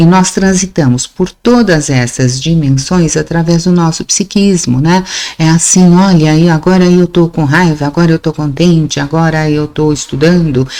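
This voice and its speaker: A woman speaks with a dark, mellow tone at a fairly low pitch. She barely pauses, and her loudness stays very even. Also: ordinary pitch variation, moderate pace. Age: 70s. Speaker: spiritual teacher, channel host. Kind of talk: lecture. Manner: didactic, conversational.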